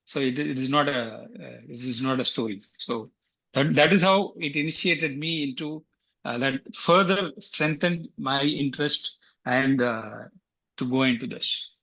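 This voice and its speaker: A man's voice: medium pitch, measured pace, sharp tone. Earnest man on a lo-fi online call. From Tamil Nadu, India. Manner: earnest, repeats words, frequent fillers. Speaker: guest speaker. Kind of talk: casual explanatory talk on an online call.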